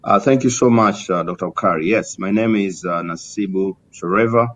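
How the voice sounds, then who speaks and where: A middle-aged man with a Tanzanian accent answering as an interview guest, formal and courteous, with many halting hesitations. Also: a bit bright. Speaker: interview guest, community business leader. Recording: muffled lo-fi link with rumbling noise.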